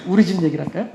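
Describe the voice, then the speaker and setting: A man's voice: high-pitched, warm tone, slight background noise. A man preaching a sermon as pastor, in a chatty way, laughing often and asking the congregation rhetorical questions. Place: church sanctuary. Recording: echoey church hall.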